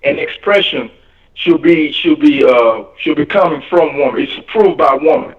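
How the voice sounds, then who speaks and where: A man's voice: a little high, normal speed. A male caller from Colorado, lecturing on his views and repeating his points. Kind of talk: call-in opinion. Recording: distant echoey muffled phone call.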